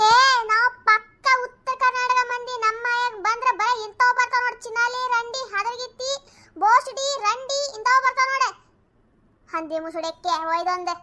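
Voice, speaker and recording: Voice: very high voice, steady tone, moderate pace, bright, forceful tone, slight background noise, exaggerated voice. A performer voicing a fierce, foul-mouthed village wife with a North Karnataka accent in a cartoon comedy, hurling crude insults. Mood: furious. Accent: North Karnataka Kannada.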